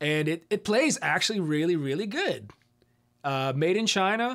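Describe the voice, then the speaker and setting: A man's high voice with an American accent and very wide pitch swings, against a quiet background. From Detroit area, Michigan. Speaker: guitarist and YouTuber. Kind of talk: casual live-stream Q&A. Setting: live stream at home studio. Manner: relaxed, conversational with many fillers. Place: studio.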